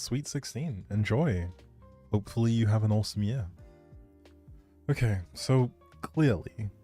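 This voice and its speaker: Male game streamer, low and soft-toned, chatty and easygoing, music playing underneath. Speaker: video game livestreamer. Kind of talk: casual gaming livestream chat, thinking aloud.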